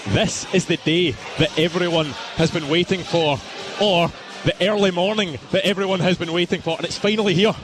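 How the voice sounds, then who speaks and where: A man's voice: high voice, fairly even intonation, moderate pace, music in the background. A Scottish man presenting a live sports radio show from a city square, in an upbeat broadcast manner. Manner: upbeat, scripted broadcast delivery. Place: outdoor city square venue. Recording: live outdoor broadcast with street noise.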